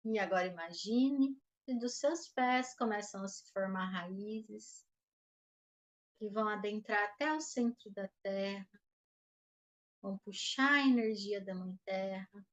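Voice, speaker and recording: Slow-paced Brazilian woman guiding a meditation. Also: mid-range voice. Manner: slow, instructing with long pauses. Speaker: meditation instructor. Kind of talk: guided meditation. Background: music.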